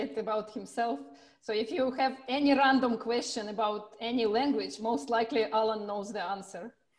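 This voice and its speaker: A woman talks at a moderate pace with ordinary pitch variation. Her voice is fairly high, and there is audible room echo. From Israel. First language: Russian. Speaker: professor. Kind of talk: lecture.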